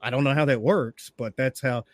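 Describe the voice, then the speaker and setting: A man's voice: medium pitch, fairly even intonation, normal speed, dry recording, clean studio sound. A man in his forties from Memphis, chatting casually and laughing often on a video call. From Memphis, USA. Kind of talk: casual chat.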